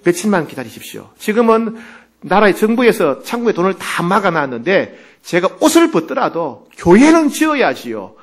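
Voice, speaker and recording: A man's voice: high-pitched, very animated, moderate pace, few pauses, pitched above the performer's own voice, heavily acted. A man preaching in Korean acts out an earnest middle-aged male bank chief who makes an emphatic, pleading promise.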